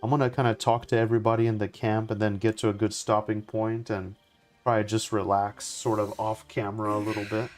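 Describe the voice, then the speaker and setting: A man's voice: on the low side, little pitch movement, fairly quick, faint music behind. A man giving casual live game commentary as a streamer, rambling and friendly to viewers.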